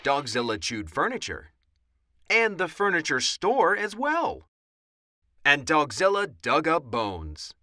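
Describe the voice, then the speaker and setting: A man's voice: fairly high pitch, sharp tone. A man narrating a children's audiobook in a dramatic, theatrical and suspenseful storytelling style.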